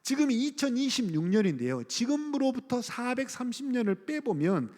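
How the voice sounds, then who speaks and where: A man's voice: very high-pitched, sing-song, normal speed, darkish tone. A middle-aged man from Gwangju preaching a sermon as pastor, speaking conversationally, asking the congregation questions and chuckling. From Gwangju, South Korea. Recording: church hall reverb.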